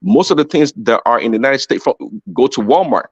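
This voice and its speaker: A man speaking quickly and forcefully, repeating words as he pushes his argument. His audio is dry and muffled, like a lo-fi online call. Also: medium pitch, animated, breathy edge, no echo. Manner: emphatic, repeats words when pressing a point. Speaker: panelist. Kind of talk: heated group debate.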